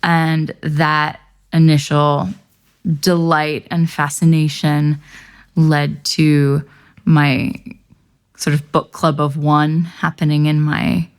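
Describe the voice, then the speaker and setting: A woman's voice: low-pitched, little pitch movement, slow, clear, resonant tone. A woman hosting an intimate podcast, talking candidly and reflectively and laughing easily. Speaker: podcast host.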